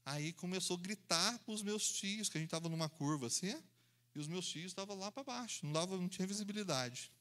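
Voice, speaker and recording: A man, preaching in an animated storytelling style, acting out voices and sounds and laughing along as he goes. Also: high-pitched, brisk. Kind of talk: storytelling sermon.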